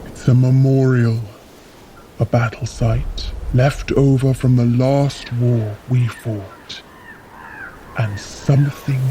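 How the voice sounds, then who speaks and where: Frost giant guide, male actor, fantasy audio drama. Solemn, cryptic, unhurried, with faint ambience behind the voice. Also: medium pitch, mellow, a little hiss or hum, natural voice, low-quality recording.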